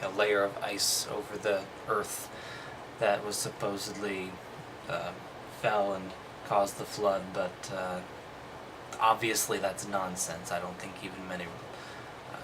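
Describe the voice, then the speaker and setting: A man reads a text aloud and comments on it casually between passages, adding dry, skeptical, dismissive asides. His fairly low voice stays level and unhurried, against a noisy background.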